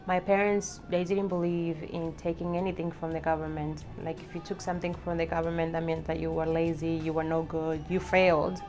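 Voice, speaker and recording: A woman's voice: deep voice, flat delivery, a little fast, hardly any pauses, a little mellow, soft background music. Reflective woman from the Dominican Republic. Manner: reflective, hesitant restarts. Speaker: interviewee. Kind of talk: documentary interview.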